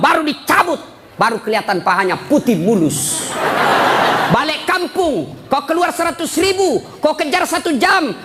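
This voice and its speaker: A man preaching a comic sermon at a live gathering, joking and often shouting. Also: very high-pitched. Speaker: Islamic preacher. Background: audience laughter.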